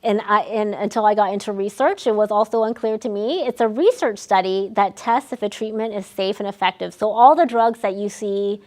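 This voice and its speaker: A woman's voice: mid-range voice, fairly quick, few pauses, darkish tone. A young adult woman, a research staff member, gives an educational talk to older adults, explaining with frequent ums and restarts. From United States. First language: Vietnamese.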